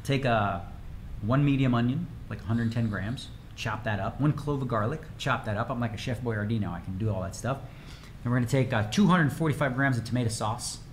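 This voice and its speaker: A man's voice: medium pitch, a little fast, a little hiss or hum. A man in his forties chatting energetically and rambling while streaming a game from his home room. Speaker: poker streamer. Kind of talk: casual livestream chat.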